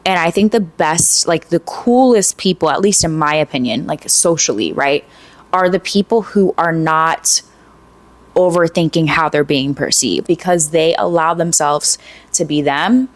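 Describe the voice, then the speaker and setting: Casting: low-pitched woman vlogger, late 20s, earnest and chatty, voice wearing thin, dry close sound. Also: measured pace, no echo. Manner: relaxed and earnest, with frequent "like" and "right?". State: losing her voice. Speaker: lifestyle vlogger. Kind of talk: casual advice monologue to camera.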